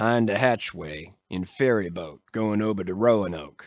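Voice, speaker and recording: A man mumbles in a put-on character voice at a moderate pace. His pitch is fairly low. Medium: read story. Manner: testy, mumbling.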